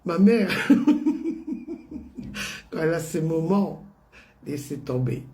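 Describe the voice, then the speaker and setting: Amused woman telling a story, mellow voice. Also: low-pitched, moderate pace. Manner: amused, animated, laughs often. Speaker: vlogger. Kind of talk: casual storytelling to camera.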